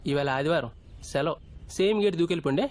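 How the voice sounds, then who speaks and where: A man acting a gruff, self-important gate guard in a Telugu comedy film. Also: a little high, fast talker, darkish tone, natural voice. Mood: gruff, dismissive.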